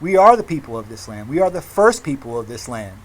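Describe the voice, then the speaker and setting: A man in his forties from Massachusetts gives an impassioned public speech at a rally, speaking emphatically with deliberate repetition. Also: mid-range voice, big pitch swings, slight background noise, low-quality recording. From Mashpee, Massachusetts, United States. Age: 40s. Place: outdoor rally.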